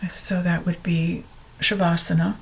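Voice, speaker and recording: Slow-paced woman guiding meditation. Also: lowish voice, vocal fry, low-quality recording. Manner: calm, soothing, unhurried with long pauses. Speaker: yoga nidra meditation teacher. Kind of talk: guided meditation narration.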